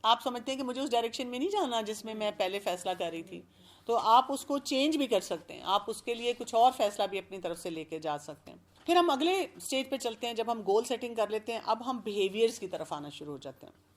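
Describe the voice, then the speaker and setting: A woman speaking as an expert guest, explaining calmly and working through everyday examples. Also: on the high side. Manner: calm, explanatory, gives examples. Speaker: expert guest giving parenting advice. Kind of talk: advice talk.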